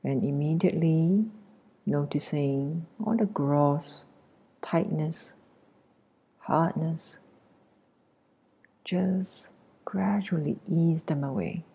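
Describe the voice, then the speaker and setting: A meditation teacher with a low, slow, breathy voice leads a guided meditation, and the audio quality is poor. She is gentle and unhurried, leaving long pauses between short phrases.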